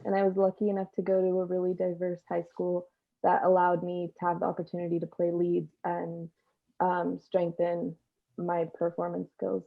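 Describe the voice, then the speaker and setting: A woman's voice: on the low side, completely flat delivery, normal speed, vocal fry. A young adult woman talking casually and reflectively as an interview guest, over tinny call audio. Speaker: actor, panel guest.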